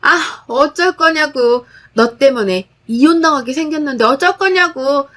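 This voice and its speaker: A woman voicing a spoiled young sister-in-law who shouts frantically and accuses. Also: high-pitched, expressive, unhurried, pitched above the performer's own voice. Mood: frantic.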